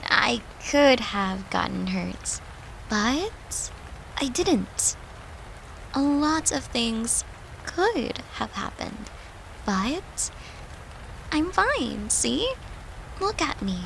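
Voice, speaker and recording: Woman acting as gentle reassuring girlfriend, comfort roleplay, soft-spoken, fairly high, unhurried, faint rainy noise behind. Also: sing-song, gravelly, exaggerated voice, poor audio. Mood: tender, reassuring. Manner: tender, reassuring, sighing, slow and hushed. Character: gentle, devoted human girlfriend soothing her demon lover.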